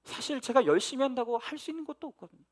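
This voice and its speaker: Preaching with earnest intensity, a middle-aged pastor races along in a very high-pitched, expressive voice. He alternates loud, emphatic moments with quiet, almost whispered stretches.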